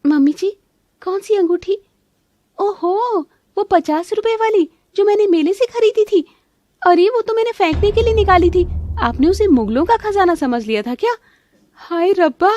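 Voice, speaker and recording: A woman voicing a cheeky, bubbly young daughter-in-law in an animated family cartoon. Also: extremely high pitch, a little slow, no room sound, pitched above the performer's own voice. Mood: teasing. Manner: teasing, giggly, bubbly.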